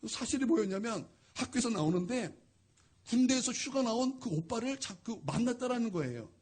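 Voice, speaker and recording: A man preaching a Sunday sermon as a pastor, telling a story with lively acted-out dialogue. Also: extremely high pitch, slightly rough. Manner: animated, acts out quoted dialogue. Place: church sanctuary.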